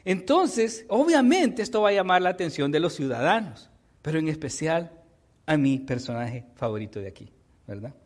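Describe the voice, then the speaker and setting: A man's voice: a little high, normal speed. A man preaching a sermon, joking with the congregation and often asking for agreement. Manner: animated, jokes with the congregation, tag questions.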